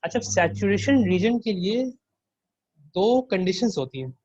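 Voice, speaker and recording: Male teaching assistant, explanatory tutorial voice, fairly high pitch, dry muffled recording. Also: sing-song, unhurried, a little mellow, no room sound. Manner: explanatory, quizzes students with questions. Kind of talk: online tutorial walking through a circuit simulation.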